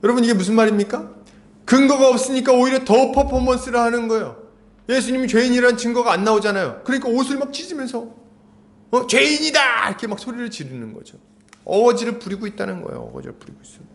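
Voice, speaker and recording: High-pitched animated male preacher. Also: fast talker. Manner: animated, rhetorical questions to congregation; acts out quotes with sudden shouts. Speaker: pastor. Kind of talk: Sunday sermon.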